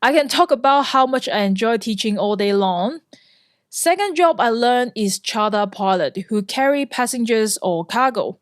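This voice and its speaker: A woman's voice: on the high side, lively intonation, moderate pace, no room sound, studio quality. A woman from Hong Kong, a flight instructor, narrating a scripted vlog in an earnest, enthusiastic way.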